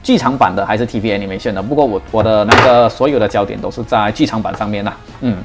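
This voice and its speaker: A man giving a casual preview of a mobile game. He is chatty and excitable, and thinks out loud with repeated starts. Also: fairly low pitch, fast talker, very noisy.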